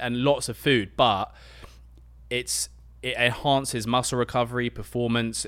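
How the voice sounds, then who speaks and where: A man's plain, everyday voice at a medium pitch and moderate pace, on a very clean recording with a silent background. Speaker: podcast guest, host's boyfriend. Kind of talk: casual chat.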